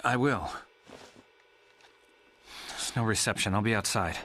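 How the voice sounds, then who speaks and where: A man's voice: on the low side, unhurried, sharp tone. A man voice-acting a confused, worried father in a video game cutscene, in a naturalistic style. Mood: resolute. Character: confused, worried father searching for his daughter. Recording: game cutscene audio, faint noise.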